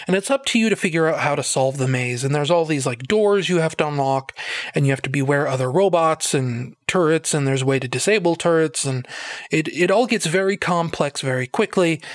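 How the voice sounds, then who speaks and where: A man's voice: fairly high pitch, no echo. A man hosting a casual solo podcast, rambling with lots of fillers and joking at his own expense, his throat a bit phlegmy and nasal. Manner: rambling, filler-heavy, self-deprecating joking. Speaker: podcast host.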